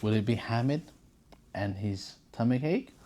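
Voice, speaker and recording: A storyteller reading aloud for children and chatting casually to viewers in an expressive, informal, encouraging way. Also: medium pitch, a little slow, a little hiss or hum. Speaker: storyteller and presenter.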